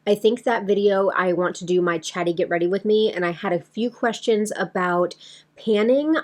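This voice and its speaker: A woman talking casually to her viewers as a beauty vlogger, in a chatty, rambling way that addresses them directly. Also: medium pitch. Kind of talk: casual chatty vlog to camera.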